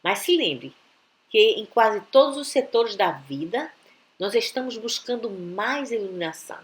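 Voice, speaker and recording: Slow, expressive woman reading spiritual teachings. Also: fairly high pitch.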